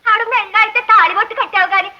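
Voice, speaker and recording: An actress playing a sharp-tongued woman who scolds the old man sarcastically. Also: extremely high pitch, steady tone, racing. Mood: scolding. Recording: dull old film soundtrack.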